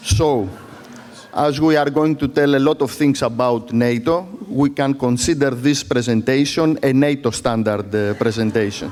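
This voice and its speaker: A man with a Greek accent speaks at a moderate pace and medium pitch, with ordinary pitch variation. His loudness is very even, and there is noticeable background noise. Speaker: geopolitics professor. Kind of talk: lecture.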